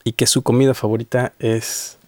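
A man's voice: mid-range voice, flat delivery, moderate pace, dark tone, dry recording. A man hosting a casual radio interview in a studio, chatty and hesitant, with frequent fillers. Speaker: radio show host. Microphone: studio microphone.

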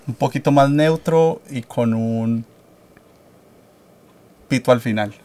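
A man from Cali, Colombia, a guest on a radio show, giving short, relaxed answers in a light Cali Colombian Spanish accent. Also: mid-range voice, takes it slowly, clean tone. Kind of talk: casual interview answers.

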